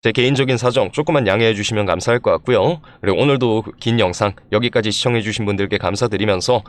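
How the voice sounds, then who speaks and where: A man's voice: lowish voice, fast talker, no echo. A man hosting stock analysis commentary, explaining to viewers in a polite, formal way with a voice congested by a throat and head cold. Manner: polite, formal presenter address. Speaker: stock analysis channel host.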